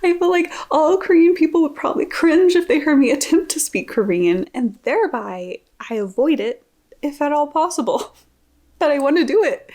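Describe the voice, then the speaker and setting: A woman's voice: high voice, darkish tone. A young woman vlogging casually, chatty and self-deprecating, often laughing at herself. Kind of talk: casual vlog talk.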